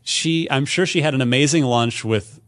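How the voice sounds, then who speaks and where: A man's voice: medium pitch, moderate pace, a bit bright, dry recording. A man hosting a podcast, speaking in casual banter with his co-hosts. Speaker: podcast host.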